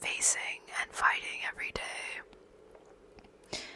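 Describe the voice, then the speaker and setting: A woman whispers while noticeable background noise carries on. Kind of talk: ASMR whisper ramble. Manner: whispered, soft-spoken, intimate, reflective.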